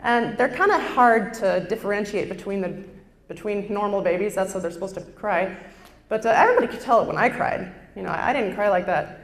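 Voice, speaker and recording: A young woman with a very low contralto voice, doing a chatty, self-deprecating stand-up routine on a lapel mic on a live stage. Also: brisk. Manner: self-deprecating, chatty, with frequent fillers and restarts. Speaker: stand-up comedian. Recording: roomy hall reverb, faint ambience.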